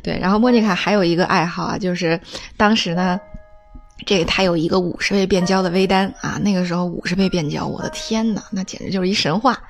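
A woman's voice: lowish voice, faint music behind. Chatty woman telling family stories. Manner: chatty and humorous, with frequent drawn-out filler particles. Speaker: storyteller recounting family anecdotes. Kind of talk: casual spoken storytelling.

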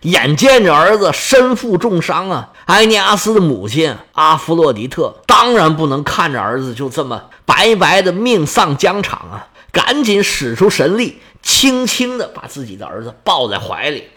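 A man's voice: a little high, pushed and bright. A man telling an epic tale in dramatic oral storytelling style, vivid and chatty with asides to listeners.

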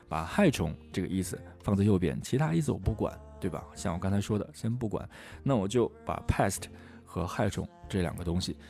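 A middle-aged man teaching how to memorize English words, lively and full of rhetorical questions. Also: low-pitched, creaky. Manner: lively, rhetorical questions, often asks "right?". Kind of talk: lecture on memorizing vocabulary.

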